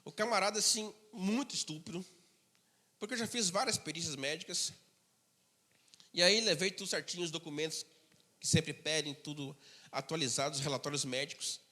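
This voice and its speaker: Male pastor, sermon, high and bright tone, conversational storyteller, reverberant hall. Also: a little fast, pauses often. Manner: conversational storytelling, drops to a low murmur for asides.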